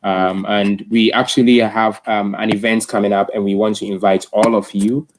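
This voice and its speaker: A man's voice: fairly low pitch, level tone, moderate pace. A man hosting an online tech talk in an informal, effusive way, often repeating himself. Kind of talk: informal live-stream hosting.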